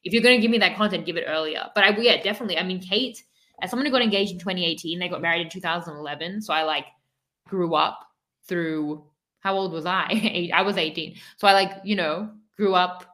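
A woman's voice: on the low side, fast, bright, forceful tone. A woman in her thirties co-hosting a podcast, chatting casually and animatedly with lots of fillers. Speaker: podcast co-host. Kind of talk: casual chat.

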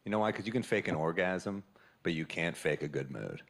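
A man works through a stand-up set, telling self-deprecating stories in a deadpan way. His voice sits low but moves through a wide, animated range. The recording carries plenty of audience noise. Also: fairly quick, vocal fry. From New York. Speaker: stand-up comedian.

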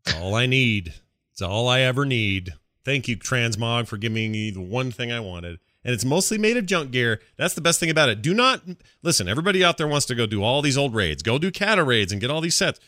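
A man's voice: medium pitch, very animated, fairly quick, bright, forceful tone, dry recording, studio quality. A man co-hosting a gaming podcast in a casual, conversational style. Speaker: podcast co-host.

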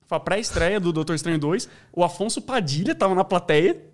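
A man talking in a casual podcast chat, an animated storyteller who says "né" and "daí" a lot. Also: high voice, fairly quick. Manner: animated storyteller, acts out voices.

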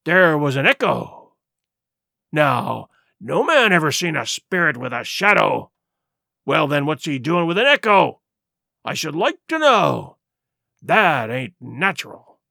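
A man voicing a stubborn, defiant old pirate leader with rough, blustering sailor's talk. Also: on the high side, big pitch swings, slow, long pauses, bright, forceful tone, dry recording, clean studio sound, voice pushed down, exaggerated voice. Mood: reasoning.

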